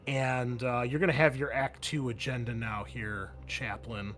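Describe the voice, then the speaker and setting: A man working as game master, narrating a tabletop roleplaying game in a halting, conversational way. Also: mid-range voice, steady tone, a bit bright, a little hiss or hum.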